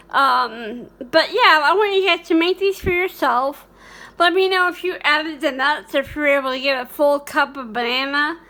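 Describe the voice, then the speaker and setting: A woman's voice: high voice, sharp tone. A woman hosting a home cooking vlog, chatting casually with many fillers and restarts. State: hiccuping. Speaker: cooking channel host.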